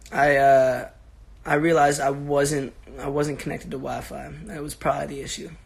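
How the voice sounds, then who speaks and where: A young man in his twenties with a raspy, sick-sounding voice, chatting casually and answering fans on a phone livestream from his bedroom. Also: on the high side, little pitch movement, unhurried. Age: 20s. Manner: laid-back, rambling, slangy, answering fans. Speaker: social media personality on a livestream. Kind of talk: casual livestream chat reading comments. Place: bedroom at home.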